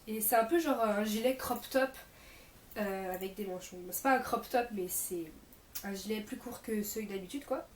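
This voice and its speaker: A woman's voice: medium pitch, normal speed, roomy sound, a little hiss or hum. A young woman vlogging casually to camera in an informal, rambling way, her voice a bit off because she is mildly ill. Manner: informal, rambling, self-correcting. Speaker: vlogger presenting a shopping haul.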